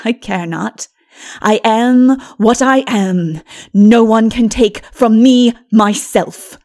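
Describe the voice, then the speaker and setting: A woman voicing a proud, tyrannical princess in a dark fantasy audiobook, with a forceful, haughty delivery. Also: on the high side, slow. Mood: proud, possessive. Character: defiant proud wicked princess, tyrannical and unrepentant.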